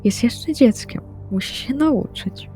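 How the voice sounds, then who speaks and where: A woman's voice: on the high side, animated, slow, warm tone, faint music behind. A woman playing an earnest, hesitant, remorseful young female vampire in an improvised roleplay audio drama. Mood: patient, chiding.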